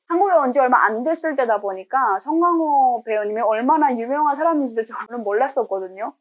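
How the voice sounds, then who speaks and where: A woman from Pyongyang, North Korea, giving earnest, enthusiastic commentary in a talking-head vlog. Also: on the high side. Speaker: YouTuber.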